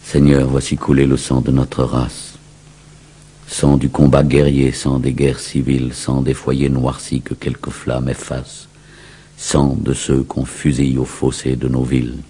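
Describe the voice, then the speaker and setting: A man recites verse in a remarkably deep, husky register. His delivery is slow and solemn, each phrase declaimed with grave dramatic weight. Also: monotone, mellow. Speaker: poetry reciter.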